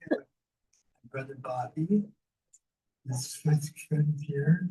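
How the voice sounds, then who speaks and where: A somewhat breathy male voice, dark and mellow in tone, with fairly even intonation. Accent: American. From Southern California, Coronado. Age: 80s+. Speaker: elder sharing family history. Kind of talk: interview. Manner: halting.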